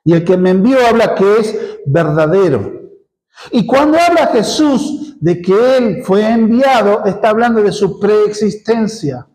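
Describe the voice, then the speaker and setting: A man's voice: sits high, lively intonation, a little slow, a little mellow, low-quality recording. A male pastor with a Rioplatense Argentine accent, teaching an expository sermon in church, asking rhetorical questions as he explains. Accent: Rioplatense Spanish.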